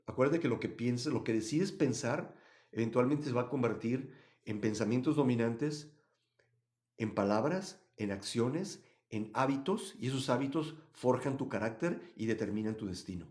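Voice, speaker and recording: A man from Mexico, teaching a live Bible study and answering chat comments, swinging between loud emphasis and quiet asides. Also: medium pitch, expressive, moderate pace.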